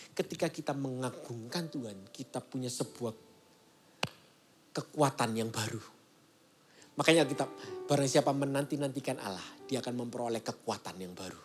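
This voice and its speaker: A male pastor giving a casual, conversational sermon and acting out the voices he quotes. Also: mid-range voice. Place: church service broadcast.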